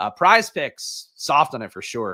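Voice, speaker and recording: A man's voice with a bright, sharp tone. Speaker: sports betting and fantasy analyst. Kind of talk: betting picks livestream. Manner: fast; animated.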